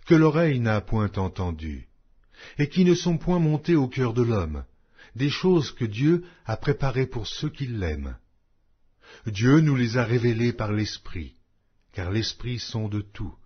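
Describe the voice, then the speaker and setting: A low, somewhat husky male voice delivers a solemn scripture reading in a measured, declamatory manner. His phrases rise and fall widely, separated by deliberate pauses, and the audio is slightly dull.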